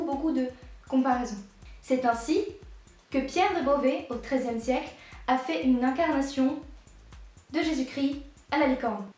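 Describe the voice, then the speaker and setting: A young woman explaining a history topic in a casual, playful way, with joking asides. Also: sits high. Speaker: YouTube creator. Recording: very echoey room.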